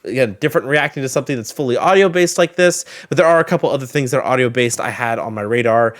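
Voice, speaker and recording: A man's voice: medium pitch, fast. A man giving a casual reaction and review as a video host, thinking aloud and often trailing off to reword his sentences.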